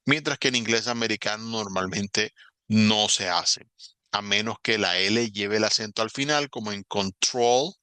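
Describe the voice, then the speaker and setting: Patient man teaching online, low voice with a keen edge, explains step by step. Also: normal speed, pushed and bright, smooth, dry recording. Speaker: English teacher. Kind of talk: recorded online lesson.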